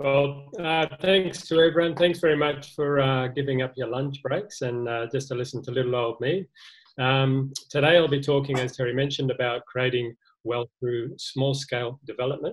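Over light background noise, a man speaks in a somewhat breathy voice at a moderate pace with fairly even intonation. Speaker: presenter. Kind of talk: webinar presentation. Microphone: webcam.

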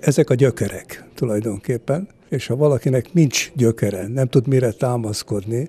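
Somewhat breathy and dark and mellow in tone, a man talks at a moderate pace with ordinary pitch variation. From Hungary, Salgótarján (Nógrád county); Hungary. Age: old. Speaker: author. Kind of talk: interview. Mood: calm, warm. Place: hall. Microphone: handheld.

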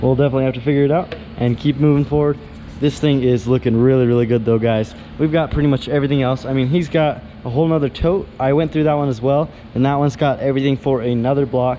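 A man speaks very fast, with very even loudness and fairly even intonation. The sound is backed by light background noise. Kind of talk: casual vlog chat. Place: garage. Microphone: phone near.

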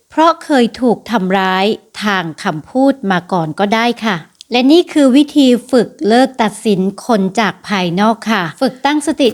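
Here a woman talks with a fairly high pitch and lively intonation in a normal speaking voice. The recording is very clean, with a silent background. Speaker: self-help narrator. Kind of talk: self-help advice narration.

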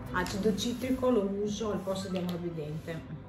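The speech moves at a moderate pace over clear music in the background. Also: woman. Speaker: home vlogger. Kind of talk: casual vlog chat. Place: kitchen. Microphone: phone near.

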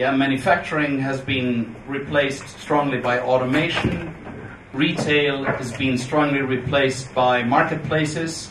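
Against noticeable background noise, a man talks at a fairly slow pace with monotone, flat intonation. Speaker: investment fund manager. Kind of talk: panel discussion. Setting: stage with audience. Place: hall.

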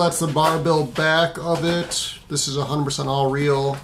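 A man talks very slowly while noticeable noise fills the background. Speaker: food reviewer. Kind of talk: casual vlog chat. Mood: playful, joking. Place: kitchen. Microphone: phone near.

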